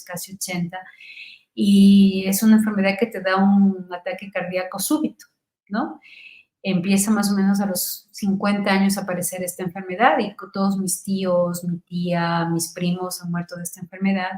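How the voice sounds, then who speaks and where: A middle-aged woman from Ecuador giving an emotional personal testimony, fervent, her voice rising to near-shouts and falling to soft murmurs. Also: on the low side, reverberant, low-quality recording.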